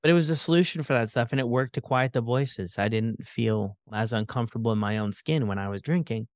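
A man hosting a podcast, chatty and relaxed, often tagging "right?" onto his points. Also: medium pitch, brisk, no room sound, clean studio sound. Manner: relaxed, chatty, leans on fillers like "right?" and "you know". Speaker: podcast host. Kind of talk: conversational interview.

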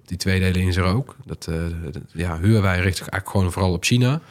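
A man's voice: sits low, fast. A man hosting a podcast, chatting casually about technology. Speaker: podcast host. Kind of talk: casual tech podcast chat.

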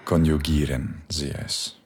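A commanding philosophy professor speaks in a very deep, husky voice. He is calm and seductive in this erotic audio drama, and gives his orders slowly and with measured control. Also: exaggerated voice. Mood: stern. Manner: slow, measured, quietly commanding. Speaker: philosophy professor tutoring Spanish.

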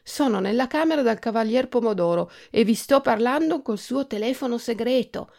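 A woman's voice: fairly high pitch, expressive, moderate pace, gravelly, darkish tone, voice pushed up. A woman voicing a tiny, brave girl strawberry who carries an urgent message in a storybook.

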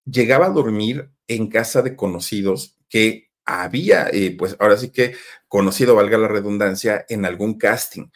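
Chatty Mexican man, low voice. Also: normal speed. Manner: chatty, addresses listeners directly, many fillers. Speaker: storytelling host. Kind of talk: casual gossip storytelling.

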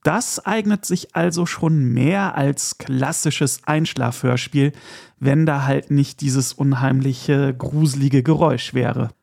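Gravelly German man hosting a podcast. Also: medium pitch, takes it slowly, a little mellow. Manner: chatty and enthusiastic, with asides and small laughs. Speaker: podcast host. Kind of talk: casual podcast talk.

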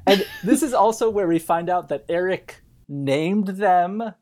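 Lady on a film podcast, lowish voice but really swoopy, giggly and incredulous, casual chat. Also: a little slow. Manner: giggly, incredulous, animated storytelling. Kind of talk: casual comic movie chat.

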